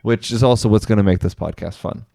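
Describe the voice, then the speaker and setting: A man's voice: lowish voice, fast, gravelly, warm tone, no echo. A man co-hosting a podcast as a mental health professional, speaking candidly and self-deprecatingly, thinking aloud with fillers. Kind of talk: casual podcast conversation.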